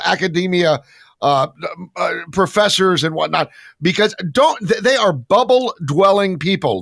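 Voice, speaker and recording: A male interview host with a fairly high voice and a gravelly, creaky edge speaks haltingly, full of fillers and restarts. The sound is dry, with no room echo. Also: a bit bright. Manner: halting, many "uh" fillers and restarts while summing up. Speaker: show host. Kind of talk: casual interview chat.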